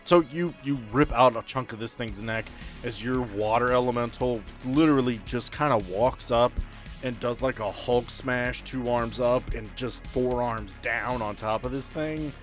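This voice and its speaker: A man's voice: mid-range voice, measured pace, soft background music. A man working as game master, narrating a tabletop game off the cuff and talking players through the action in a casual way.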